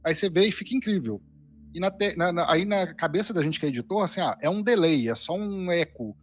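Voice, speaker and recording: A man's voice: sits high, animated, brisk. A Brazilian man speaking as a guest reviewer, explaining a casual critique somewhat hesitantly. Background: faint background music.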